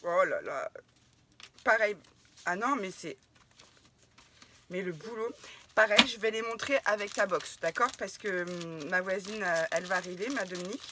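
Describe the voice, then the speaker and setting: A woman's voice: medium pitch, moderate pace, long pauses, bright, forceful tone, slight background noise. A middle-aged woman chatting casually while unboxing crafts for her viewers, effusive and often laughing through tears. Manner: laughing and tearful, effusive exclamations. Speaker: scrapbooking vlogger unboxing a swap.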